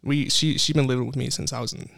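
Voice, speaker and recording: A man's voice: medium pitch, fairly even intonation, fast talker, gravelly, fairly bright tone, dry recording, studio quality. A man in his twenties with an American accent chatting casually as an interview guest, with slangy, profane, informal speech. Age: 20s. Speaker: guest, music artist.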